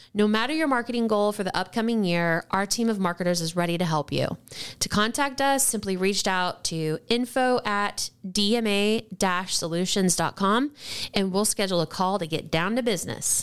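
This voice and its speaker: A woman's plain, everyday voice at medium pitch, moderate pace, ordinary pitch variation and very even loudness. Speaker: podcast co-host. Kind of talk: casual conversation.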